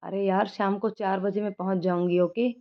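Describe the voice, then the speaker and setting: A woman's voice: mid-range voice, little pitch movement, moderate pace, lightly acted. A woman reading the part of a young woman doctor who scolds her boyfriend fondly, in a storybook narration. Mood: scolding, fond. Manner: scolding, affectionate. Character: young woman doctor, fond but easily upset. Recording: dull lo-fi recording.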